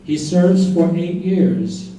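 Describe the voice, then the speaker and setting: A man's voice: a little high, animated, takes it slowly, dark tone, slight background noise. A man playing an earnest narrator in a staged reading of a play. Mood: narrating. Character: earnest storytelling narrator of a couple's life. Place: live staged reading in a room. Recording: very echoey room from a distance.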